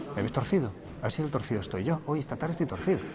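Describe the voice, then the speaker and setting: Speaking at a very fast pace, a man makes very wide pitch swings. Noticeable background noise is present. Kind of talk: casual chat with livestream viewers before a talk. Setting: livestream from a phone in front of an auditorium. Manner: animated; speaking quietly.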